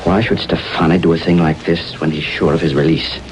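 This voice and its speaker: An actor playing an upright judge in a 1930s radio drama, speaking formally and with dignity. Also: male voice, extremely low pitch, steady tone, brisk, faint music behind, low-quality recording. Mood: stern. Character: upright older judge, stern but shaken. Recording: old radio transcription with faint hiss.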